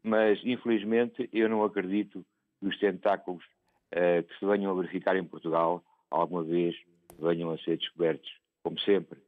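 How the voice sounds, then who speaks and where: Deep-voiced man on a phone line. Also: steady tone, normal speed, no room sound. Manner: hesitant, many fillers and restarts. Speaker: phone-in caller. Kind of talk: call-in opinion.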